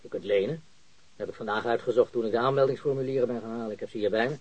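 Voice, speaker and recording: Actor doing broke earnest grad guy, radio drama, husky voice, hesitant and kinda pleading. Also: medium pitch, racing, darkish tone, close to an everyday voice, poor audio. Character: downhearted, earnest, jobless recent graduate seeking advice. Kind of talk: naturalistic radio drama acting.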